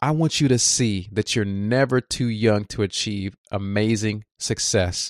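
A man with an American accent speaks in an ordinary speaking voice, his pitch fairly low and its variation ordinary. The pace is fairly slow with hardly any pauses, the loudness very even, and the sound dry and close with no echo over a quiet background. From Texas. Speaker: podcast host. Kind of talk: podcast intro; interview.

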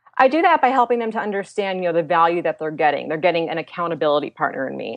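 Delivered at a very fast pace, the speech has an animated tone and ordinary pitch variation. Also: woman. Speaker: financial planner and blogger. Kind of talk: casual interview. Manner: fast talker, animated.

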